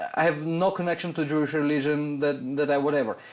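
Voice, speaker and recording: With a Russian accent, a man speaks at a fairly high pitch. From Ukraine (Soviet Union). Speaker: interviewee. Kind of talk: interview. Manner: halting, many fillers and repetitions.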